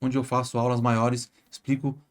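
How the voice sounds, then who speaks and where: A man's voice: medium pitch, level tone, moderate pace. A man teaching an online language lesson, explaining patiently with example sentences and frequent check-ins with the viewer. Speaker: Italian teacher.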